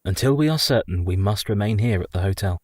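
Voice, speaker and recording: An actor playing an earnest young husband in a radio play, measured and resolute. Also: male voice, on the low side, lively intonation, darkish tone, no echo. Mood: cautious, resolute. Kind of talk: community radio play acting.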